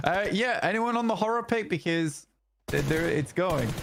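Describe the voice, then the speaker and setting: Animated in tone, a woman speaks with a British accent and lively intonation. Her pace is moderate. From Britain. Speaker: esports co-caster. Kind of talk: casual esports watchparty commentary.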